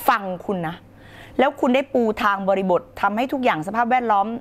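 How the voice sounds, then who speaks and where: A middle-aged woman coaching viewers on a live stream, animated and acting out what partners might say. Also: fairly high pitch, a little fast. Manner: animated, acts out quoted couples' lines, calls viewers child.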